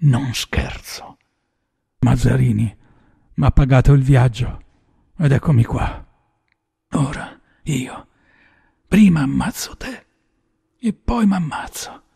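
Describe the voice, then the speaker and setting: A man voicing a bitter, desperate young man who speaks with grim scorn that rises into a rant, in a gravelly, husky voice. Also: mid-range voice, slow, pauses often, dark tone, voice pushed up, exaggerated voice. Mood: menacing.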